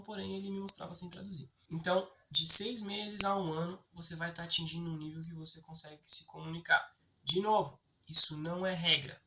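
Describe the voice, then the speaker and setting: A man's voice: high-pitched, pushed and bright, slight background noise. A man with a Brazilian Portuguese accent, explaining in a chatty way for an English-learning video and often checking in with the viewer. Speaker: English teaching YouTuber.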